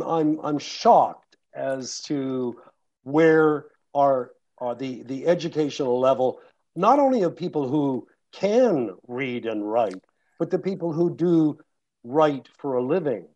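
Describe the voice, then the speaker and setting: A man's voice: fairly high pitch, expressive, takes it slowly, a little mellow. A man, an audiobook narrator, answering audience questions in a thoughtful way, often stopping and restarting his sentences. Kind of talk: panel Q&A answers. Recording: muffled lo-fi recording.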